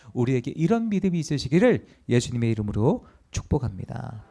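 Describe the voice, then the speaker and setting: A middle-aged male pastor preaching a sermon in a church, telling stories and acting out the voices of the people in them. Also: a little high. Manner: animated storytelling, acting out quoted voices. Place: church sanctuary.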